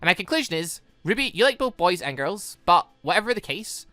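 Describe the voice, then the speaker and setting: Woman voicing an earnest robot girl, bright and precise. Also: lowish voice, sing-song, no echo, soft background music. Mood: earnest, clinical. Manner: precise, formal, measured. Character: earnest, clinical robot girl conducting an experiment.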